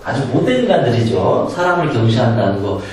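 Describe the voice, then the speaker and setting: Lively man lecturing in a very echoey room. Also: mid-range voice, brisk. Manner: lively, emphatic, acts out angry quotes, laughs often. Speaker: meditation and self-help lecturer. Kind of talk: spoken lecture. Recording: very echoey room from a distance, faint noise.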